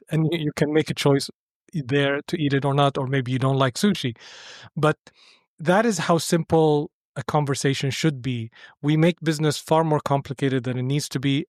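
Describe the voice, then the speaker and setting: A man's voice: fairly high pitch, no echo, studio quality. A man from Syria speaking as a podcast guest, explaining his thinking in a conversational interview.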